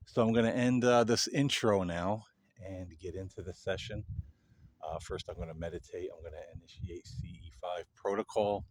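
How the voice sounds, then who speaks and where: Deep-voiced man, halting delivery. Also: a little hiss or hum. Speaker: paranormal vlog host. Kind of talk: casual unscripted talk to camera. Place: parking lot at night.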